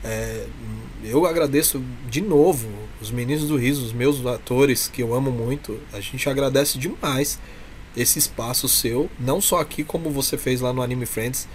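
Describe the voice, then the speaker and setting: A Brazilian man talks casually as a guest on a video call. His voice sits at a middle pitch, and he stresses his points by repeating phrases. There is faint noise behind him. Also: normal speed. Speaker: interview guest, member of a comedy troupe. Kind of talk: casual chat.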